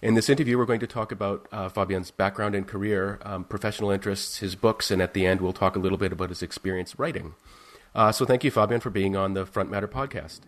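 A man hosting a podcast interview, asking questions in a measured way with frequent filler sounds. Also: lowish voice, steady tone. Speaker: podcast host.

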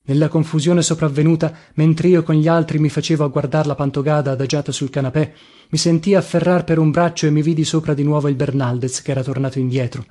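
Uomo che narra un romanzo in prima persona. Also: male voice, fairly high pitch. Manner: expressive, dramatic reading. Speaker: audiobook narrator. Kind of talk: first-person literary narration.

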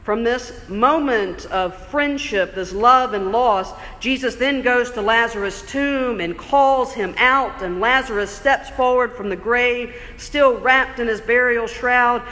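Bright-voiced male preacher in a reverberant church. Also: very high-pitched. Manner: conversational, explanatory, slowing for emphasis. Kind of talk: sermon. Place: church sanctuary.

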